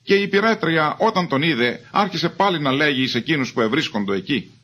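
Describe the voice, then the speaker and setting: A man giving a measured, formal reading of scripture as a Bible reader. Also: a little high, animated, pushed and bright.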